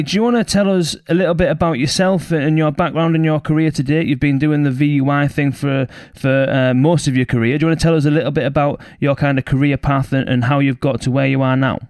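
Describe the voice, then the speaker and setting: A man hosting a podcast interview, his voice croaky from a cold, with an upbeat, showman-like delivery. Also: mid-range voice, a little mellow, no room sound, studio quality. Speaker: podcast host.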